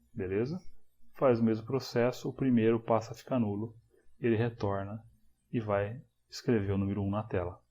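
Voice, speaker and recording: A man's voice: on the low side, warm tone, highs cut off. A man, explaining programming step by step in a casual screencast lesson, often checking in with the listener. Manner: casual, explanatory, frequent tag questions. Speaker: programming instructor.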